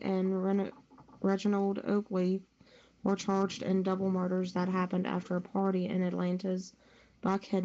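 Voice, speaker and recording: A woman's voice: on the low side, warm tone. A woman presenting sports news on a podcast, reading from a script. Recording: dull lo-fi audio.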